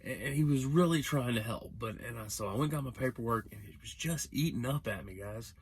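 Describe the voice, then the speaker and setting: A man's voice: medium pitch, brisk, husky. A man talking casually as a truck-driving vlogger, rambling and correcting himself as he gives earnest advice. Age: young adult. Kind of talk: casual vlog monologue.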